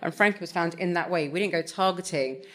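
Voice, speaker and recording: A woman's voice: fairly low pitch, fast, fairly bright tone. A woman talking on a panel, hesitant, with many fillers and restarts. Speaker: TV executive on a panel. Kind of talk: conversational panel talk.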